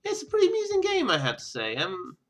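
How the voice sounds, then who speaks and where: Male let's play host: bright, very animated delivery, rambling think-aloud commentary, light music underneath. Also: very high-pitched, fast talker. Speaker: gaming video host.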